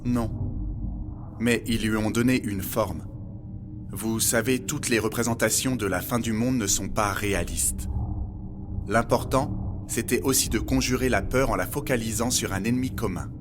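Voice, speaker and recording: A man playing a knowledgeable guide in a scripted audio drama, explaining old human myths in a measured, didactic way. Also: on the low side, lightly acted. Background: music.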